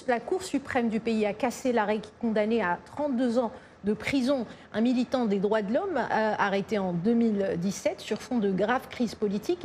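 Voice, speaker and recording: A woman's voice: fairly high pitch, darkish tone, a little hiss or hum. A woman presenting radio news, mostly fluent with the odd filler.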